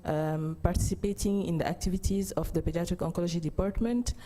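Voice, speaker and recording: A woman's voice: fairly low pitch, steady tone, fast talker, warm tone, slight background noise. A woman of about thirty with a Senegalese, French-speaking accent gives a conference testimony, hesitantly searching for words. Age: 30s. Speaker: pediatric oncologist giving a testimony.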